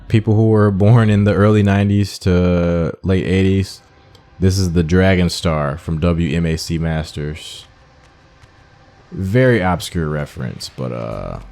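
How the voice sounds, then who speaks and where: A gaming streamer with a low, dark-toned voice offers casual let's-play commentary on a video game. He muses aloud, talking through each step as he goes.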